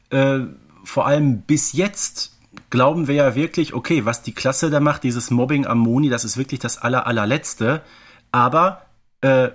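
A podcast host from the Ruhr region talks in a colloquial, conversational style, with a German accent. His voice is medium in pitch and fairly bright.

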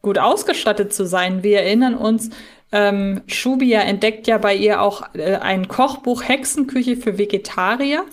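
Gesprächige Podcasterin, mittlere Stimmlage. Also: female voice, medium pitch, unhurried. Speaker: podcast co-host. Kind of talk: casual fan podcast chat.

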